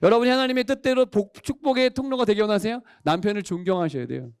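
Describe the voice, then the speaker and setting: A man's voice: high voice, fast, clean tone, no room sound, studio quality. A male pastor preaching a sermon, quizzing the congregation and calling for amens. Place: church worship service.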